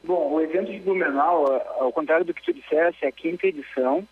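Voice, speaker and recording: A man's voice: a little high, a little fast, breathy edge. A man, calling in by phone to explain a beer festival. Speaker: phone caller, beer trade. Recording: tinny phone line.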